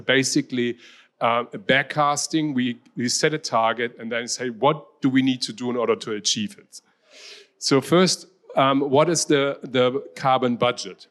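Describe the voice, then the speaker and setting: A middle-aged man from Germany gives a slide talk in a German-accented voice of ordinary pitch. He speaks with a hesitant, halting flow, often pausing on "um" and restarting his phrases. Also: a bit bright. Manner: hesitant, many ums and restarts. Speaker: university researcher.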